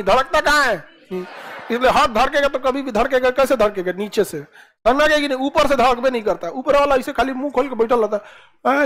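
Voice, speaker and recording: A man teaching a class, firing questions and answering them himself in a lower aside, with rustic colloquial jokes. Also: bright, forceful tone, a little hiss or hum, low-quality recording. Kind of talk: classroom lecture with call-and-response.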